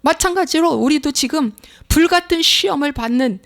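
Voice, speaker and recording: A woman's voice: high-pitched, normal speed, gravelly. A middle-aged woman pastor preaching a sermon, emphatic and repeating her phrases. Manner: emphatic, repeats phrases, acts out inner voices.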